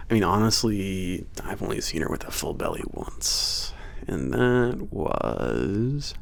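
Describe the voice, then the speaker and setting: A big werewolf played by a man with a very deep, gravelly voice, working as a gruff trainer in an ASMR audio drama. He talks slowly and casually, with a sardonic, teasing edge over a caring core. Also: heavily acted. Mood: conspiratorial, casual. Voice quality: very low, gravelly voice. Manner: casual, sardonic, hesitant pauses, frequent chuckles and swearing.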